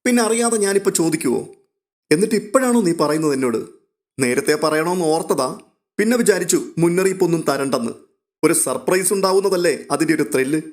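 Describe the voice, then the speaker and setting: A man's voice: medium pitch, fairly even intonation, brisk, darkish tone, close to an everyday voice. A man voicing a playful young woman who teases and apologizes lightly. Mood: teasing.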